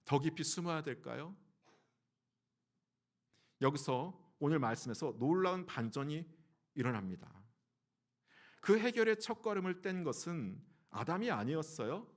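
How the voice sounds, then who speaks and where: A man's voice: fairly high pitch, big pitch swings, normal speed, pauses often. A man, a pastor, preaching a Sunday sermon. He asks the congregation questions and acts out quoted lines in a changed voice. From South Korea. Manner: fillers and restarts.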